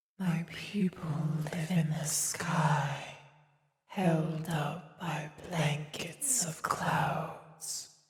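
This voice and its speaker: A breathy, put-on character voice speaks at a middle pitch and a very slow pace. Clear echo surrounds it. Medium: actual play. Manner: quiet, otherworldly, measured.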